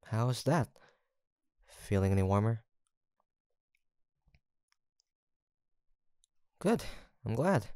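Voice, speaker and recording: A man playing a gentle, teasing young college roommate in an intimate audio roleplay, with a soft-spoken, hesitant manner. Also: fairly low pitch, smooth, no echo, studio quality. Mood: caring, playful. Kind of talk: intimate boyfriend-style roleplay acting, one-sided conversation.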